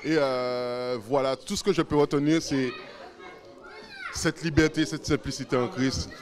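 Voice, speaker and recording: A man's voice: medium pitch, fairly even intonation, unhurried, some chatter behind. A man interviewed about a church gathering, speaking fervently with repeated phrases and fillers. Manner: fervent, repetitive. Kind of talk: spontaneous testimony.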